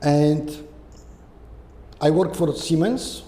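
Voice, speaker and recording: An older man with a Polish accent, answering interview questions in a halting way and often checking in with "okay?" or "right?". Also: a little high, warm tone. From Poland. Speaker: guest. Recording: echoey room with long reverb and faint hiss.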